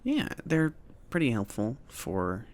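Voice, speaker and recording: A man playing a friendly, awkward mage who runs a potion shop, speaking softly and haltingly in a casual, chatty ASMR roleplay style. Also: medium pitch, huge pitch swings. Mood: friendly, hesitant. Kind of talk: soft-spoken ASMR roleplay.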